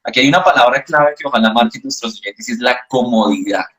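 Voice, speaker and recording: Brief: male voice expert, mid pitch, calm didactic interview answers. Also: brisk. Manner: calm, didactic, uses examples. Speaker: voice specialist guest.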